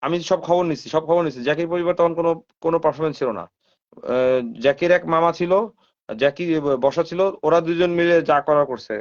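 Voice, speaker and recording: A man's voice: fairly high pitch, fast talker, muffled recording. A man hosting a live stream, talking straight to his viewers in casual commentary, asking them rhetorical questions and mixing English phrases into his talk.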